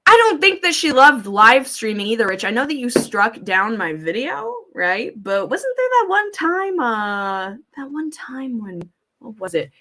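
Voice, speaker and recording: A woman's voice: on the high side, big pitch swings, unhurried, pushed and bright, slight background noise. Blunt woman chatting on a livestream. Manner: informal, blunt, swears freely; rambling, thinking aloud. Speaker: live streamer, host. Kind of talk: casual livestream chat, commentary, reading viewer comments aloud.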